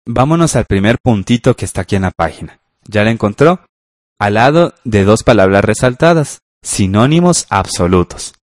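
A man leads a radio language class, patient and unhurried, often checking that listeners follow. His voice sits fairly low. The sound is dry and close. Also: lively intonation, dry recording. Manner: patient, slow, asks "¿verdad?" often. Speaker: radio teacher. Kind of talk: radio school lesson.

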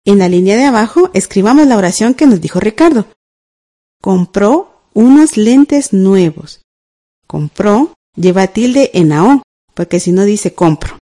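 A woman co-teaches a radio language class. She explains slowly and clearly in a calm, mellow voice. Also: medium pitch. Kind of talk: radio school lesson.

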